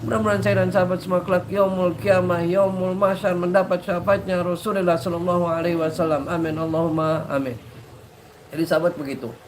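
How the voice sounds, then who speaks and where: A man with a Cirebon accent and a blocked, nasal voice, hoarse from a cold, talking in a rambling, repetitive, joking way to his subscribers. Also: high voice, flat delivery, brisk, slight background noise. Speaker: religious teacher and channel host. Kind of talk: casual talk to subscribers with sung prayers.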